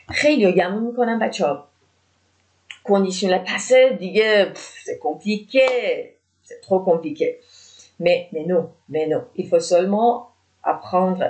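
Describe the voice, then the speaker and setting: A woman's voice: lowish voice, a little mellow. A woman who speaks natively, teaching French grammar, spelling endings out letter by letter and repeating key points for emphasis. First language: Persian. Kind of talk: grammar lesson.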